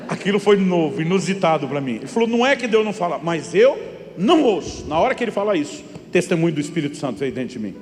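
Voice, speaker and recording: Brazilian pastor guy preaching, middle-aged, kinda high voice, big hall echo w faint music. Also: sing-song, brisk. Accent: Brazilian Portuguese. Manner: storytelling, acts out dialogue, rising to emphatic peaks. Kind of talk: sermon.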